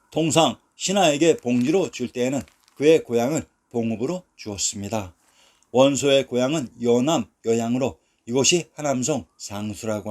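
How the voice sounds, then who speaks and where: A man reading a scripted history narration in a slow, measured way, working through long lists of place names. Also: mid-range voice, darkish tone.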